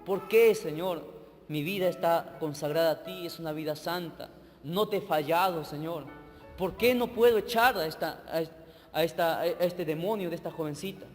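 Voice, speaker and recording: A man's voice: fairly high pitch, voice pushed down, close to an everyday voice. A preacher playing a desperate, pleading holy man. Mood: weeping plea. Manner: tearful pleading, then slow stern commands. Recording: church hall with long reverb, faint music.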